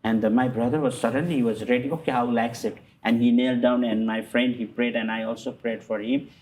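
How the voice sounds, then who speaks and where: A middle-aged man, a guest telling his personal story in halting, full of fillers and restarts. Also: mid-range voice, little pitch movement, darkish tone, a little hiss or hum, rough recording. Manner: halting non-native English with many fillers and restarts. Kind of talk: personal testimony in conversation.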